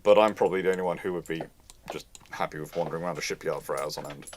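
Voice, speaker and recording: A man's voice: low-pitched, very fast, slight background noise. A man hosting a live question-and-answer chat, talking in a rambling way and often repeating and rephrasing himself. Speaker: host answering audience questions.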